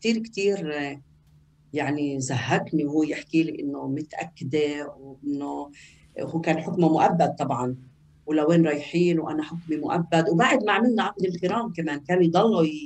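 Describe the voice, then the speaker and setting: A woman talks at a moderate pace with a very deep, low pitch. Her pitch varies in an ordinary way. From Palestine (48 Palestinian town near Lydda). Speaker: wife of a Palestinian prisoner. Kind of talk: interview.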